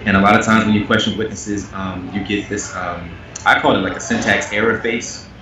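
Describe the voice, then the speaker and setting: A man speaking earnestly as an interview guest, getting animated when he makes a point. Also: lowish voice, fairly quick, recorded from a distance. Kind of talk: candid conversational interview. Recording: echoey, muffled, noisy remote audio.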